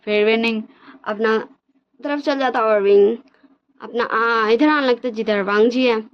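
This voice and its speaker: A woman's voice: fairly high pitch, unhurried, clean tone. A woman casually retelling her own fan fiction story in a chatty, informal way. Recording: dull lo-fi recording.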